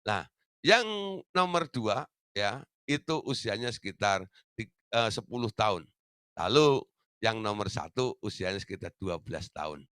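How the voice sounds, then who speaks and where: A man's voice: fairly low pitch, a little slow, smooth, dry recording, clean studio sound. A man preaching a sermon as pastor, telling a story with lots of asides to the congregation. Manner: lively storytelling with many asides.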